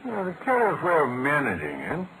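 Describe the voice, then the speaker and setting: Earnest hesitant british companion, bit baffled, old radio play, lots of noise. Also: male voice, a little high, wildly swooping pitch, a little fast. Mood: curious. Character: admiring, slightly puzzled gentleman companion of a detective. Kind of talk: 1940s-style radio drama acting. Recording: noisy old-time radio recording.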